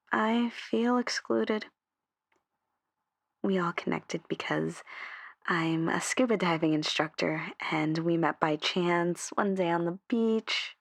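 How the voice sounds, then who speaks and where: A woman's voice: fairly low pitch, takes it slowly, gravelly, pauses often, no room sound, full character voice. A woman playing an insecure, self-doubting caller on a radio drama phone-in, hesitant and downcast in manner. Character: insecure, self-doubting female scuba instructor calling radio. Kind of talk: scripted audio drama phone-in.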